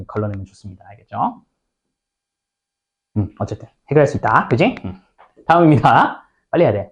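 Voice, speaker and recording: A man teaching a high school English lesson, speaking informally and animatedly and asking his students questions as he goes. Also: a little mellow. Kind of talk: lecture explaining a textbook passage.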